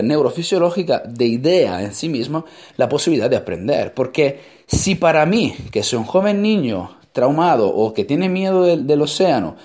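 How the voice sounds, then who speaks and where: Delivering a forceful motivational speech full of rhetorical questions, this native Italian speaker has a noticeable Italian accent. His voice is mid-range with a darkish tone.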